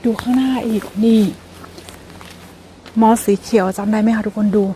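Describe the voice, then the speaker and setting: Excited woman vlogging from a forest. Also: on the high side, moderate pace, a little hiss or hum. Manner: excited exclamations, talks to viewers. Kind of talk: casual chat while foraging. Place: forest outdoors.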